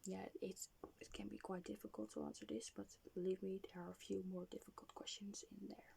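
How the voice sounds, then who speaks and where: Female ASMR therapist role: breathy whisper, heavy vocal fry, soothing hesitant questioning, faint background noise. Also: medium pitch, level tone, brisk, mellow. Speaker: ASMR roleplayer playing a therapist.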